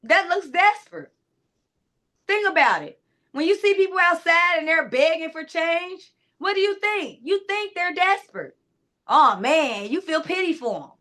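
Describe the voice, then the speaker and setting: Woman, clarity coach, high-pitched, bright, loud and emphatic, casual motivational talk. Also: animated, a little slow. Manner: loud, emphatic, talks straight to listeners; casual with frequent asides.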